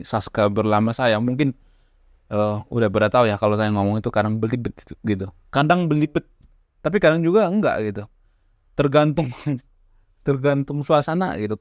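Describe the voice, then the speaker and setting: This YouTube host chats to camera in a mid-range voice, picked up by a close camera mic with no room sound. He stammers now and then, restarts words, and fills his speech with conversational fillers.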